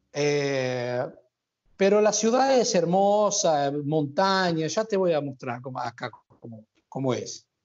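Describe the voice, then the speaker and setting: A man with an Argentine accent, fairly high-pitched and very slow, with very wide pitch swings and big swings in loudness over a quiet background. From Brazil. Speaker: tango singer. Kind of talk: interview answer. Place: home room.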